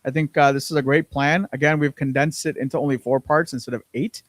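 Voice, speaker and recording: A man's voice: on the high side, fairly even intonation, quick pace, no room sound. A man co-hosting a business podcast in casual chat, rambling with lots of fillers and repeated words, on a close mic. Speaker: podcast co-host.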